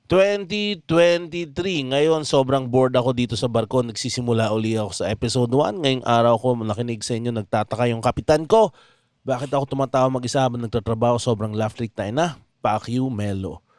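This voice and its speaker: A man's voice: medium pitch, brisk, a little mellow, no echo. Joking man reading listener greetings. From Philippines. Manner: casual, joking, reads aloud. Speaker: podcast host.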